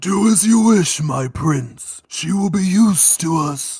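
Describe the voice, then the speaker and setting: Using a put-on character voice, a man speaks high at a fairly slow pace. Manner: sinister, scheming.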